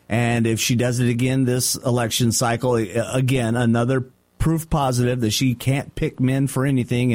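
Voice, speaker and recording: A man's voice: mid-range voice, darkish tone, dry recording. A man co-hosting a talk radio show, giving blunt, dismissive opinions in casual chat. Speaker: radio co-host.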